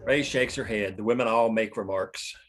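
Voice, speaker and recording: A man's voice: lowish voice, moderate pace, fairly bright tone, a little hiss or hum. A man reading scripted narration and scene directions at a table read. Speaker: stage-direction reader.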